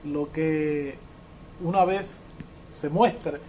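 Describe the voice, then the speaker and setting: Casting: Dominican Caribbean-accented male TV host, higher-pitched, conversational, faint noise behind him. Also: fairly even intonation, extremely slow, a little mellow. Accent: Dominican Caribbean Spanish. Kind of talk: conversational hosting. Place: indoor TV studio.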